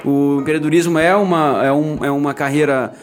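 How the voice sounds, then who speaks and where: A man's voice: on the high side, fairly even intonation, brisk, soft background music. A man with a Brazilian accent co-hosting a podcast, giving a casual motivational sign-off straight to the listener. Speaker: podcast co-host.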